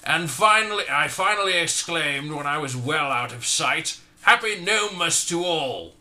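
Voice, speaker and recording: Bright-voiced man reading comic verse. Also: on the high side, expressive, normal speed. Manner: mock-dramatic, with sudden loud outbursts. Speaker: reader. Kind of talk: comic dramatic poem reading.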